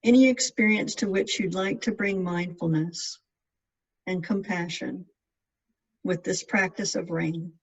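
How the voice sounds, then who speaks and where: A meditation guide giving gentle, measured instructions in spaced-out phrases. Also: mid-range voice, fairly even intonation, slightly rough. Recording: distant mic, dull lo-fi sound.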